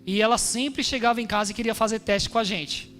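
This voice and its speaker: A male pastor preaches emphatically to his congregation, calling out for amens. His voice sits fairly high. Faint music plays behind him in the church hall. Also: brisk, fairly bright tone. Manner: emphatic, addresses congregation as brothers with frequent amens. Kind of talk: sermon. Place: church hall during a service.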